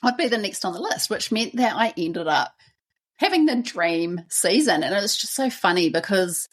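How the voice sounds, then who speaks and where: A young New Zealand woman hosts a podcast and tells her own story in a chatty way, her New Zealand accent clear and her speech sprinkled with "like" and "right?". Her voice is mid-range, with lively intonation and a normal pace.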